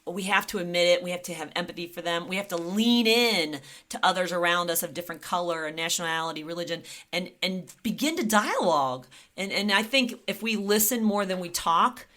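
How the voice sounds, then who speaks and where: A woman's voice: fairly low pitch, brisk, few pauses, a bit bright. A woman co-hosting a Christian marriage podcast, speaking sincerely and thoughtfully in casual conversation.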